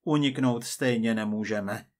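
A man voicing a calm, resigned male scientist on the run, speaking plainly and steadily. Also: mid-range voice, lightly acted.

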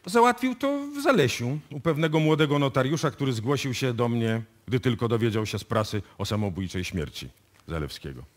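An actor playing a shrewd, self-assured police inspector in a radio play, explaining deliberately and with authority. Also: male voice, mid-range voice, sing-song, natural voice. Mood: confident, explanatory. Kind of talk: live radio play acting.

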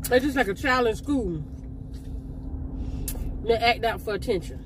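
A woman's voice: on the high side, unhurried. A woman, chatting to her viewers while eating in her car, talking with a straw in her mouth. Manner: chatty, opinionated, addresses viewers directly. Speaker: car mukbang vlogger. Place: parked car by a street. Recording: street and traffic noise. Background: traffic noise.

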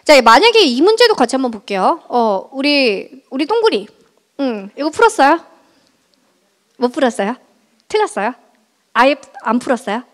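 A woman math teacher giving a lively exam-prep lecture to high school students in a large school auditorium, chatty and often checking in with her listeners. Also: normal speed, pauses often. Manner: chatty, keeps checking in with the audience.

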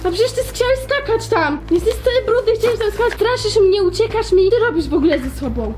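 A woman's voice: very high voice, lively intonation, quick pace, darkish tone, soft background music. A young woman in a spooky adventure vlog, pleading and whining in exasperation. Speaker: camera operator and co-host of a video series. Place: abandoned concrete ruins.

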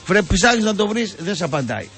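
A man's voice: high voice, sing-song, fairly bright tone, faint music behind. An older man, a radio host delivering an indignant, sarcastic rambling monologue full of fillers.

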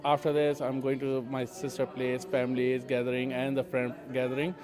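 A man from Pakistan giving a halting, cheerful street interview at a celebration. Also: mid-range voice, monotone, crowd noise.

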